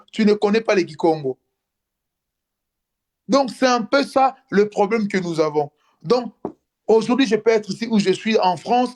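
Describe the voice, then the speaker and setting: Earnest high-voiced man talking halting. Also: darkish tone. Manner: earnest, halting, many restarts and fillers. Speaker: guest. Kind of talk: casual live video chat. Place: in France.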